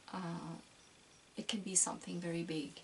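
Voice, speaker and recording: Medium-pitched female speech at a moderate pace, with fairly even intonation. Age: 60s. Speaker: spiritual video blogger. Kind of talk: casual reflective monologue. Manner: hesitant, many fillers.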